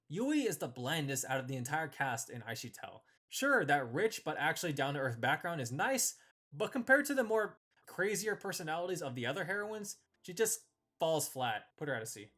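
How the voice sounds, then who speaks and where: A man's voice: on the high side, very animated, normal speed, fairly bright tone. A man hosting a ranking video, delivering scripted, opinionated commentary with emphatic phrasing. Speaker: host ranking visual novel characters.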